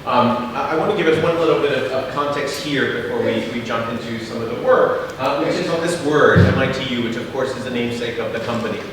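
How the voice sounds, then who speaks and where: A man's voice: medium pitch, quick pace, few pauses, fairly bright tone. A middle-aged man, native Spanish speaker from Mexico, presenting his theater company with slides, full of "uh"s and rhetorical "right?". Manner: many filler sounds, frequent rhetorical "right?". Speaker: theater company artistic director giving a talk. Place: large echoing hall. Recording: echoey hall, voice from far off, faint noise.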